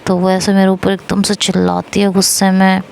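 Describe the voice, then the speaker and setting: A woman's voice: mid-range voice, completely flat delivery, moderate pace, gravelly, clean tone, poor audio. A woman narrating a first-person audio love story casually, mixing English phrases into her speech.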